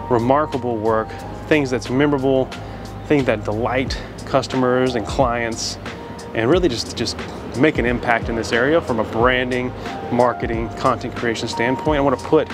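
Low-key American man vlogging outdoors, slightly higher voice. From Shreveport, Louisiana, United States. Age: 30s. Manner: informal, reflective, rambling. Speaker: vlogger, creative freelancer. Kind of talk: casual walk-and-talk vlog. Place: outdoors on a downtown street. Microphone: handheld camera at arm's length. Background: background music.

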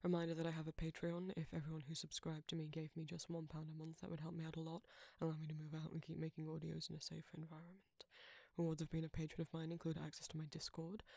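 Soft husky man, creaky and close. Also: on the high side, no echo. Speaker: ASMR voice actor and creator. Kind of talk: soft-spoken scripted outro.

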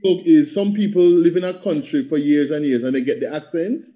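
A Jamaican man speaks passionately in a fairly high but mellow voice, slipping into patois with a rhythmic delivery. He is a guest on a video call, and the sound is a little dull. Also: fairly quick. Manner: animated, rhythmic, slips into patois. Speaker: panel guest, theatre practitioner and coach. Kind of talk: passionate conversational talk. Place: indoor room at home on a video call.

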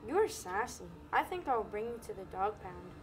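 A woman's voice: medium pitch, sing-song, moderate pace, over music, close to an everyday voice. A woman voicing a bossy, snooty lady in a puppet show, haughty and impatient.

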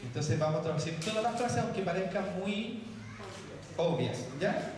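A man from Chile interprets a sermon line by line, repeating each phrase and adding quick asides to the audience. His fairly high voice comes from far off in a large hall with long reverb. Faint room noise is heard behind him. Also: lively intonation, a crowd in the background. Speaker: interpreter and event host. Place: large hall with bare walls, indoors. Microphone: handheld mic, heard from a distant camera.

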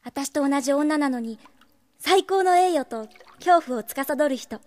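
A woman's voice: high-pitched, lively intonation, unhurried, darkish tone. A woman playing a spirited young shop manager in a radio drama, girlish and frank with a wistful, admiring streak. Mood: admiring, sincere. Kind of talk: Japanese radio drama acting.

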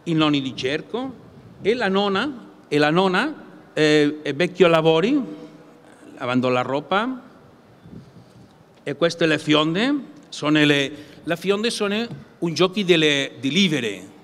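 Halting Catalan-accented man, reverberant amplified sound. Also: fairly high pitch, big pitch swings, a bit bright. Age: middle-aged. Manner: halting, searching for words in non-native Italian. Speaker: conference speaker presenting games. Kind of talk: prepared public presentation. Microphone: gooseneck table microphone.

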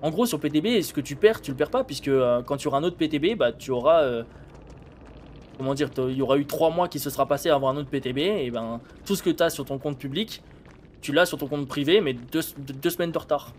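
A man's voice: a little high, fast, darkish tone, a little hiss or hum. A man in his thirties thinking aloud in blunt, informal live gameplay commentary as a streamer. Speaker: game streamer. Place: indoor streaming setup.

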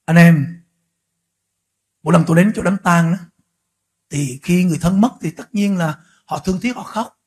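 A man preaching a sermon as pastor, swinging from quiet, slow stretches to loud, shouted peaks. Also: high voice, breathy edge. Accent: Vietnamese.

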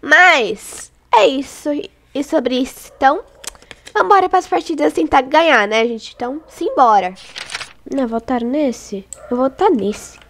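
A woman hosting a gaming channel, congested with a cold, chatting excitably to her viewers and squealing when startled. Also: sits high, a little slow, slight background noise. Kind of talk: casual gameplay commentary.

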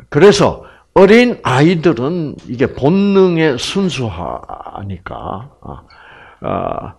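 A man giving a health lecture who acts out little scenes and keeps asking his audience questions. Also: on the high side. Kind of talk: lively lecture.

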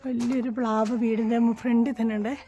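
A woman's voice: on the high side, level tone, brisk, warm tone, slight background noise. A woman from Kerala with a Malayali accent, chatting casually as she walks around her hilly farm and films a vlog on her phone. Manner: chatty, switches to sweet coaxing talk with a child. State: out of breath on a steep climb. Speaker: vlogger. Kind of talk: casual walking vlog narration.

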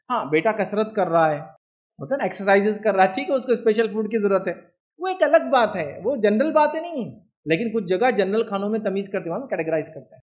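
The sound is lo-fi, and the speaker is a high-voiced man with an Indian Hindi-Urdu accent giving an Islamic religious lecture. He talks conversationally and keeps asking "do you understand?"

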